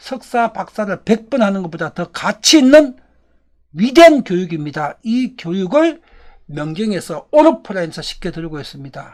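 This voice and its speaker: The speaker talks at a fairly slow pace. The recording is very clean, with a silent background. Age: 60s. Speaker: economics lecturer. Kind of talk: lecture. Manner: emphatic.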